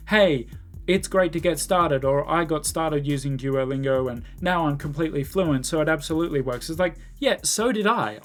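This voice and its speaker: A man giving casual, opinionated commentary, blunt and emphatic, often exasperated. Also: fairly high pitch. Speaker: YouTube language-learning commentator.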